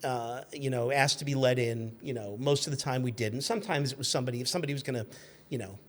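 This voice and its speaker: A man in his fifties telling anecdotes in an animated, chatty way as a podcast guest. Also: mid-range voice, quick pace. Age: 50s. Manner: chatty, acts out quoted shouts. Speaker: podcast guest, magazine editor.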